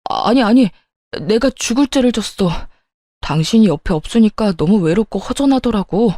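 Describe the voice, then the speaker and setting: A woman's voice: medium pitch, lively intonation, normal speed, warm tone, dry recording, clean studio sound, lightly acted. A woman voicing a cowardly cheating husband who pleads and grovels. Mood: pleading.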